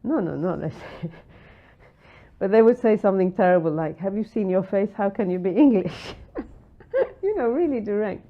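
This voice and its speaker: A woman from Iraq telling stories in an interview, animated, acting out the voices of people she quotes. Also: medium pitch, moderate pace. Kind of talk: interview recollection. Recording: tinny phone-like sound.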